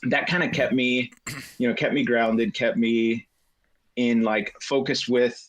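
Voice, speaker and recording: A man's voice: mid-range voice, steady tone, a little slow, low-quality recording. Rambling, hesitant middle-aged man. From United States. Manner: rambling, hesitant, many fillers. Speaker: guest. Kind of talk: casual chat.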